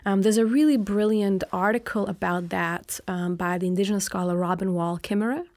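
Woman, lithuanian first language, talks it through slow w lots of ums and "right?", dry close sound. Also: mid-range voice, steady tone, a little mellow, dry recording. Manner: thoughtful, many ums and uhs, often adds "right?". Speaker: interview guest. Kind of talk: reflective conversational answer.

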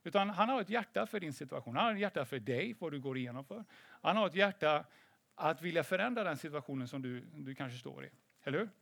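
A man preaches to his congregation in a chatty, conversational way, often checking in with "eller hur?" and dropping in English phrases. His voice sits a little high, and the recording is close and dry with no room echo. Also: expressive, vocal fry, fairly bright tone. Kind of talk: sermon.

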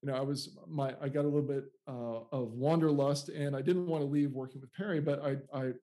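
Mellow-voiced American man, rambling guest. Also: medium pitch, fairly even intonation, fairly quick. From United States. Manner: rambling, often repeats and restarts words. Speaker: guest, software founder. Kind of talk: conversational interview storytelling.

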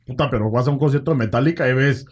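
A middle-aged man with a Guatemalan accent hosting a casual, slangy chat, haltingly, often checking that others agree. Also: mid-range voice. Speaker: host.

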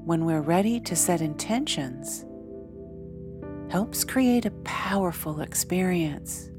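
Slow, low-voiced woman guiding meditation. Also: animated. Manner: soothing, deliberate, long pauses between short phrases. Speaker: meditation guide, podcast host. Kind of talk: guided meditation. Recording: background music. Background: soft instrumental music.

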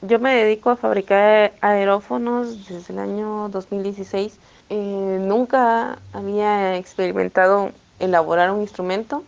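A woman's voice: mid-range voice, steady tone, moderate pace, vocal fry, clear, resonant tone, highs cut off. A woman from Guatemala with a Guatemalan accent, explaining her work making clay wind instruments in a thoughtful, explanatory way. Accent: Guatemalan Spanish. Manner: thoughtful, explanatory, with tag questions. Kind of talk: interview, explaining her craft.

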